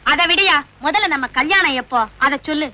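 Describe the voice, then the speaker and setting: A woman's voice: high-pitched, brisk, sharp tone, no echo. A woman as a girlfriend teasing and pressing her lover about marriage in film comedy dialogue. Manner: teasing, prodding questions.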